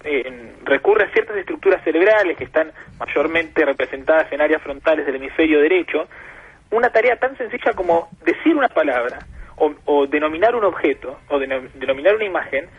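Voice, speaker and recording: This guest expert on a radio interview is a man whose Argentine Spanish accent comes through a muffled telephone line. His voice sits on the high side, with an animated, fairly quick delivery and a breathy edge. Patient and professorial, he builds his arguments through examples.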